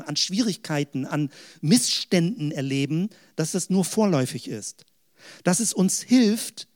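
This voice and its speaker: A man giving an explanatory theological teaching talk, often pausing with fillers as he lays out his points. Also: fairly high pitch, a little mellow. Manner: explanatory, with fillers like "sag ich mal". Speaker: preacher.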